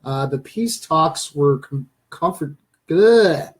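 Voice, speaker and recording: A man's voice: a little high, expressive, takes it slowly. A man in his thirties hosting a casual live stream, reading out news items with lots of ums and uhs. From Canada. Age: 30s. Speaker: livestream host.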